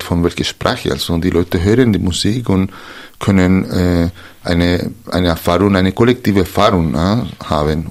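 Low-voiced hesitant male interview host. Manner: hesitant, searching for words, many fillers and restarts. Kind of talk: reflective interview talk.

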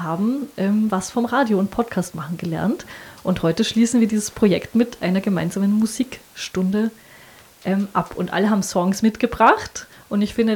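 A woman hosting a live community radio music hour in a studio, chatting casually with guests and pausing with fillers. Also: medium pitch, mellow. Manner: chatty, many filler pauses. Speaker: radio host and coordinator.

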